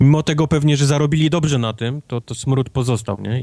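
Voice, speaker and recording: Medium-pitched male speech with a Polish accent, fairly quick pace and ordinary pitch variation. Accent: Polish accent when speaking English. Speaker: podcast co-host. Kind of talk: casual chat.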